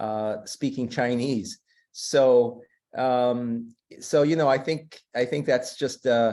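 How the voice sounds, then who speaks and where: Talking very slowly, a man with an American accent has a medium pitch and a dark, mellow tone. His intonation stays fairly even. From US, Seattle, Washington. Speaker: medical school dean and neurosurgeon. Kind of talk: lecture. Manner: halting, many fillers.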